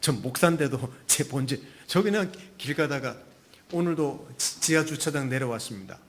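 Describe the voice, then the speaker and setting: A male pastor preaching a Sunday sermon, emphatic, full of rhetorical questions and sudden hushed asides. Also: medium pitch, lively intonation, normal speed, a little hiss or hum.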